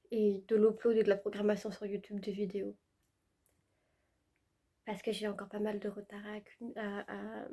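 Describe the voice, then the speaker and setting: A woman's voice: a little high, warm tone. A woman in her twenties chatting casually to her viewers, her voice stuffy and worn from a head cold, rambling with lots of fillers. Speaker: vlogger.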